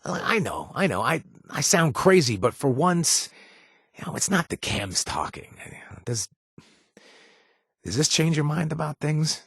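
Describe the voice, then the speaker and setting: Gruff wounded wasteland bartender from a game, raspy, awkward n stammery, self-deprecating, real dry close recording. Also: male voice, a little high, big pitch swings, a little slow, a bit bright, no room sound, exaggerated voice. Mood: nervous, awkward. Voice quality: husky. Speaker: voice actor for a video game companion. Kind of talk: naturalistic video game dialogue.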